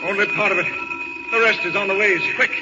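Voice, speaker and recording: Actor as a high, rapid old-radio adventurer. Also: male voice, steady tone, lightly acted. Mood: urgent. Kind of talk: old-time radio drama acting. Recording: dull old radio recording, loud music.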